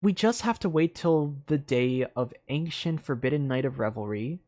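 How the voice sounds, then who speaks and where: A game streamer reads a story aloud in an expressive, storybook style, now and then dropping into casual asides. Music plays behind the medium-pitched voice, which moves at a moderate pace.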